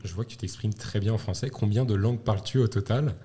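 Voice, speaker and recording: A man hosting a student podcast, asking questions in a relaxed, hesitant way with frequent fillers. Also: lowish voice, fast. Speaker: podcast host. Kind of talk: casual interview.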